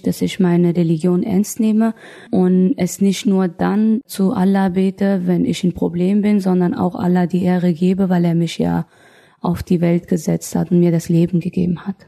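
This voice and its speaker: A woman in her thirties from Afghanistan, thoughtfully telling her own story as an interview guest, often pausing and restarting. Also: lowish voice, level tone, gravelly, mellow. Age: 30s. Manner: thoughtful, searching for words, frequent restarts. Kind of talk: personal testimony in conversation.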